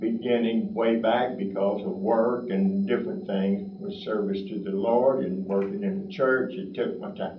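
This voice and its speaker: With an American accent, a man of medium pitch speaks at a fairly slow pace with very wide pitch swings, amid noticeable background noise and audible room echo. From Texas, Gainesville. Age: 80s+. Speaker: elderly Freemason honoree. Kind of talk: award acceptance speech.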